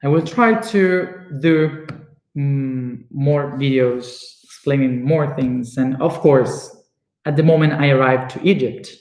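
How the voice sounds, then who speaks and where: Argentine-accented young man, slow and halting, echoey room, mid pitch. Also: darkish tone. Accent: Argentine Spanish. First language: Spanish. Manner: searching for words, many fillers and restarts. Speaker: spiritual speaker. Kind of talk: casual personal monologue.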